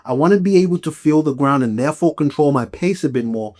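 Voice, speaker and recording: A man's voice: fairly high pitch, animated, fast talker, darkish tone. A man from Malawi talking casually and explanatorily as a podcast host, emphatic and often checking in with the listener. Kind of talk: casual explanatory talk to listeners about gear.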